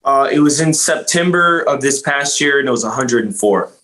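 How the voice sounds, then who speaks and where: An earnest young man speaks as a podcast guest, his voice sitting in a middle pitch. He rambles, restarts and leans on fillers as he talks. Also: animated, normal speed, a bit bright. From Louisiana. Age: young adult. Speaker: guest, insurance agent. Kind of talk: casual podcast interview.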